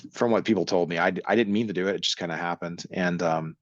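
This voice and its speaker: A man's voice: low voice, fast, dry recording. A middle-aged man with a mixed American, English and Irish accent, telling his story in a casual interview, rambling and correcting himself with wry humor. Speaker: interview guest. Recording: dull dry sound.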